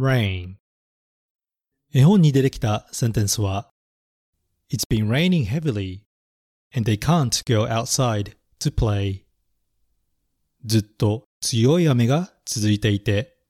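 A man reading a children's story and teaching English words, speaking clearly and carefully and spelling words out letter by letter. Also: medium pitch, darkish tone, no room sound, studio quality. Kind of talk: bilingual children's lesson narration.

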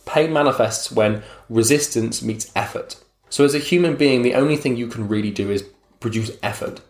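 A young man speaks bluntly and casually, dropping swear words as he pushes the listener. His voice sits at an ordinary pitch for a man. The recording carries a noticeable roomy echo. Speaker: motivational speaker. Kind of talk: motivational talk to the listener.

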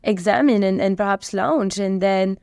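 A woman's voice: mid-range voice, normal speed, creaky, a little mellow, dry recording, studio quality. A woman from Belgium with a Belgian accent, telling stories casually as an interview guest and acting out quoted dialogue. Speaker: company co-founder and CEO, podcast guest.

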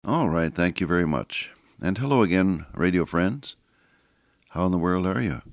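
Deep-voiced man preaching on radio. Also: expressive, normal speed, dry recording, clean studio sound. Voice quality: slightly gravelly. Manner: reads scripture aloud with rising emphasis, folksy asides. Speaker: radio Bible teacher. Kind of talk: radio sermon, reading and expounding scripture.

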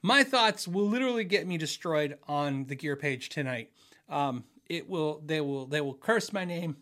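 Middle-aged guy rambling on his stream, kinda high voice, lots of ums and restarts. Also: expressive, moderate pace, a bit bright. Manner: rambling, restarts often, many fillers. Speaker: livestream host reading viewer messages. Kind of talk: casual chat. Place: home office.

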